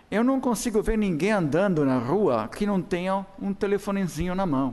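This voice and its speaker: A man with a high-pitched voice talks at a moderate pace with lively intonation. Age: old. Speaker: physician speaker at medical academy symposium. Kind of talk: panel discussion.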